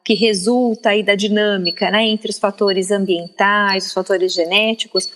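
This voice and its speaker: A woman's voice: mid-range voice, steady tone, normal speed, fairly bright tone. A Brazilian woman speaking as a guest speech therapist on a podcast, explaining in a didactic, emphatic way with frequent tag questions. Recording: long reverb, faint background noise.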